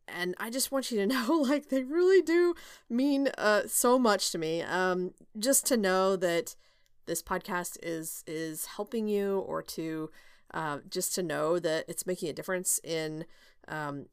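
A woman's voice: medium pitch, clean tone, dry recording, clean studio sound. Chatty woman podcast host. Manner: chatty and candid, many fillers and restarts, laughs often. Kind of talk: casual solo podcast chat.

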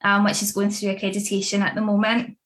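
A woman's voice: medium pitch, completely flat delivery, quick pace, fairly bright tone. A woman chatting casually in an interview, with many fillers and frequent laughs. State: pregnant. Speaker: dog grooming academy founder and author.

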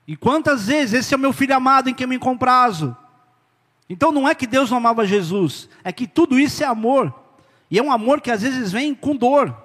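A man's voice: extremely high pitch, fairly bright tone, big-room sound. A man preaching an informal sermon in a conversational way, talking directly to his listeners.

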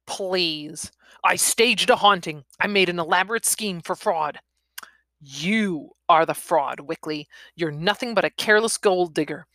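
A woman's voice: lowish voice, measured pace, a bit bright, no room sound. A woman voicing a foul-mouthed, confrontational young female bully in her twenties from a novel, growling and accusing. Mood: angry, accusing.

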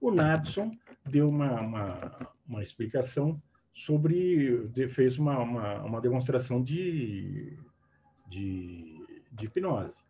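A man's voice: mid-range voice, big pitch swings, slow pace, warm tone. A man, teaching hypnosis techniques to a group in an emphatic way and often checking in with his listeners. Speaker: hypnosis instructor.

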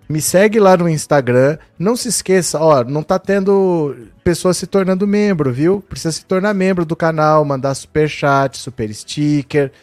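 A man's voice: fairly high pitch, no room sound. Indignant man hosting a live stream. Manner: indignant, talks straight to viewers. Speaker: live-stream political commentator. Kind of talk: casual live-stream commentary.

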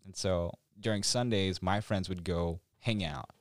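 A young man in his twenties from Korea, co-hosting a podcast and talking things through in a relaxed, reflective way with some hesitations. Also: low-pitched, a little slow, dry recording, clean studio sound. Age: 20s. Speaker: podcast co-host. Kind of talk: casual conversational podcast.

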